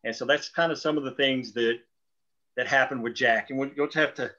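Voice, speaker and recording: A man's voice: medium pitch, fairly even intonation, brisk, pushed and bright, lo-fi sound. A man explaining storytelling choices in a group discussion, talking discursively as a writer of the show.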